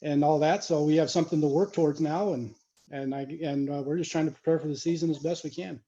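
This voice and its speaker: A man, a high school football coach, speaking over the phone in a casual interview, often pausing with filler words. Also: fairly even intonation, mellow. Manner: halting, fills pauses with "you know". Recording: dull lo-fi phone audio.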